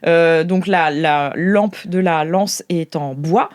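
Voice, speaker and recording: A woman's voice: lowish voice, slow, darkish tone, no room sound, studio quality. A woman narrating an improvised tabletop game as game master, conversationally, with her own vocal sound effects. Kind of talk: improvised tabletop role-play narration and banter.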